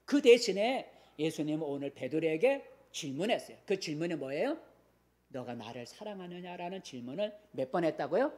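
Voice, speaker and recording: A man's voice: fairly high pitch, sing-song, brisk, few pauses, a little mellow. A male pastor giving a sermon in a conversational way, repeating phrases and asking the congregation questions.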